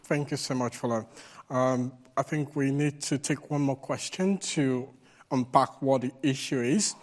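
A man moderating a panel, asking questions in a polite, measured way. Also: mid-range voice.

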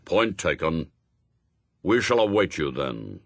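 A man voicing a lofty, imperious heavenly spokesman for God in a storybook, speaking in a pompous, measured, formal way. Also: very deep voice, sing-song, gravelly, fairly bright tone, no room sound, voice pushed down, exaggerated voice. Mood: testy.

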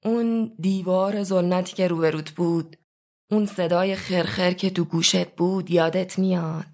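A woman voicing a cold, methodical male interrogator who lectures in a measured way. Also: on the low side, fairly even intonation, darkish tone, lightly acted. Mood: cold, menacing.

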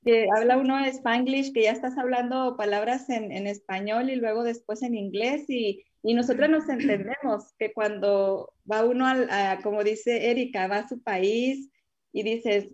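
A woman's voice: on the high side, normal speed, darkish tone, dull audio. A woman hosting a casual panel chat, chatty and full of fillers and exclamations. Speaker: host.

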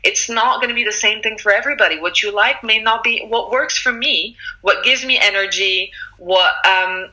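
A woman from Morocco, an author speaking earnestly and encouragingly in a casual interview. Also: low-quality recording. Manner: earnest and encouraging, animated rises in pitch. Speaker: author and guest.

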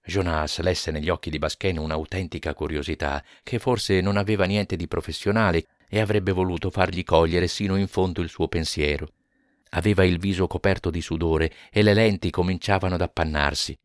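Male audiobook narrator: deep, dry, measured and even. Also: no room sound. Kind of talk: scripted narration.

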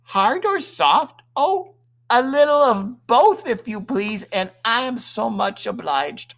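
A woman narrator plays a little storybook girl putting on her best airs. The voice is lifted high, prim and carefully polite, eager to please. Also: sing-song, takes it slowly, full character voice. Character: eager-to-please child practicing genteel table manners.

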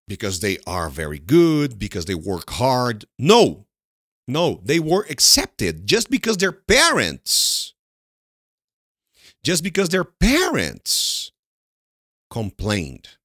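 A Brazilian man, a native Portuguese speaker with a Brazilian accent, teaches an English lesson at a very slow pace. His pitch swings widely as he repeats words and asks questions, then answers them himself. The recording is close and dry. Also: huge pitch swings, fairly bright tone, dry recording.

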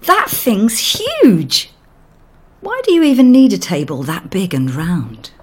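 A woman playing a sceptical, practical queen and bossy wife in an audio pantomime, with a husky voice. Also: mid-range voice, sing-song, takes it slowly, a little mellow, heavily acted. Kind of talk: pantomime radio acting.

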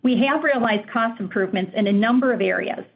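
Measured woman reading financial results. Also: a little high, lo-fi sound. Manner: measured, formal reading of figures. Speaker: finance executive on earnings call. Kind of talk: scripted financial report.

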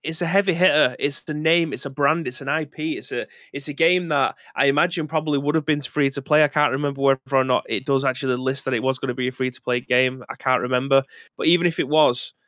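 A man's voice: medium pitch, steady tone, quick pace, fairly bright tone, dry recording, studio quality. Rambling male podcast co-host. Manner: rambling, self-correcting, thinks aloud. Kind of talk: casual chat.

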